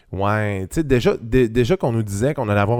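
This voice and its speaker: Here is a man with a normal speaking voice at medium pitch. He talks at a fairly quick pace with ordinary pitch variation. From Quebec, Saguenay-Lac-Saint-Jean. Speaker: podcast host, guest. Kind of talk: casual chat. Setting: studio.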